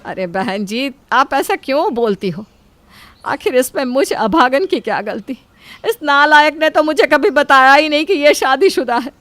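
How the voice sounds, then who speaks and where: A woman with a somewhat high voice speaks story dialogue in a scolding, lamenting way. The sound is dry and close. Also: expressive, measured pace, fairly bright tone, no room sound. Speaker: voice actor in an audio story.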